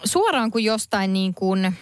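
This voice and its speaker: A woman on a panel show telling a self-mocking childhood story in a casual, animated way. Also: mid-range voice, smooth, dry recording, studio quality.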